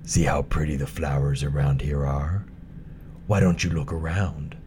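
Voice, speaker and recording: Male reader as scheming storybook wolf, low and quiet, crafty murmur. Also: fairly even intonation, normal speed, a little hiss or hum. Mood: coaxing. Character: sly hungry male wolf, wicked, scheming.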